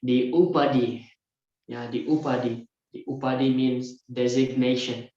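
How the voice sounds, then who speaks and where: A man teaching a scripture class, explaining verse by verse and often filling pauses with "yeah" and "uh". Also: medium pitch, level tone, warm tone. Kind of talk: scripture lecture. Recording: very echoey room, dull lo-fi sound.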